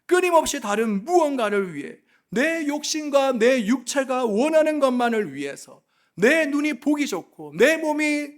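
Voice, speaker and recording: A male pastor from South Korea delivering a sermon to his congregation. His voice sits high and moves through a wide, lively range. He preaches in an impassioned, pleading way and leans on rhetorical questions.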